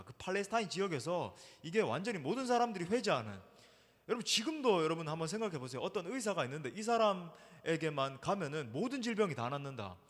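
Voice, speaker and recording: A man's voice: high-pitched, long reverb tail. A male pastor preaching a sermon emphatically, often addressing the congregation directly. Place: church sanctuary.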